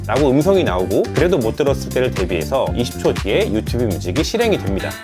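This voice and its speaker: A man runs through phone settings at a rapid clip, chatty and brisk like a tech channel host. His voice jumps around a lot in pitch, and faint music plays under the voice-over. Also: sing-song. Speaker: tech YouTuber. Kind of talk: smartphone tutorial voice-over.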